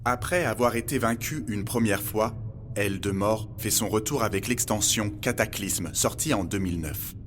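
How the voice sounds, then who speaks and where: Low-voiced, earnest robot guide played by a man. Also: noisy background, close to an everyday voice. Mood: measured, explanatory. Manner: measured, formal, didactic. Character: polite, earnest male robot guide recounting humanity's end. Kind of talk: scripted documentary fiction narration. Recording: music bed behind the voice. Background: music.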